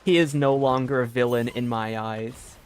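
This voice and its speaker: A man streams a game and comments casually as he goes. His voice is medium in pitch, and his talk is informal and meandering, as he thinks out loud. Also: fairly even intonation, normal speed, clean tone. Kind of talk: casual live gaming commentary.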